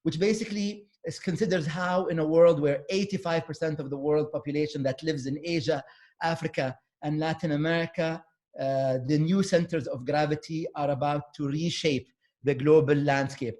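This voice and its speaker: Man hosting an online video-call talk. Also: fairly high pitch. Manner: relaxed, halting with fillers, mixes in Arabic words. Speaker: host. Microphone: computer mic on a video call.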